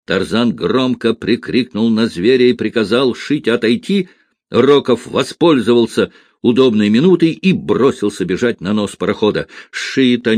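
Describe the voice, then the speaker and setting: A man narrating an adventure novel as an audiobook, dramatic and dropping to a hush at tense moments. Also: on the low side, no echo, studio quality.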